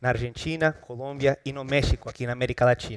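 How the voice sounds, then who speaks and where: The sound is dry and close, with no echo. A man speaks at a moderate pace with fairly even intonation. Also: very clean recording, silent background. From Ecuador. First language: Spanish (speaking Portuguese). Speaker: energy research consultant. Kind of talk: conference talk. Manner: hesitant, with fillers and restarts.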